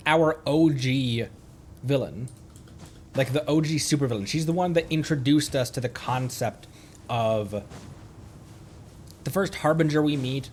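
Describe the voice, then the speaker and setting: A man's voice: mid-range voice, a little mellow, slight background noise. A man chatting casually on a game livestream, rambling as he thinks aloud. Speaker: livestreamer, VTuber. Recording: music behind the voice. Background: music.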